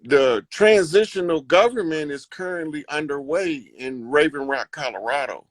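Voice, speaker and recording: A man's voice: on the high side, moderate pace, dry recording. Confident man lecturing in a dry room. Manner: confident, emphatic, rambling with fillers. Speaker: host. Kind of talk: casual conversational lecture.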